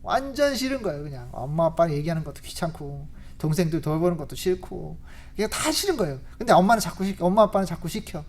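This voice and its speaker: A woman's voice: on the low side, fast talker. A woman preacher giving a conversational sermon at a church service, telling stories with rhetorical questions and laughing often. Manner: animated storytelling with rhetorical questions and frequent laughs.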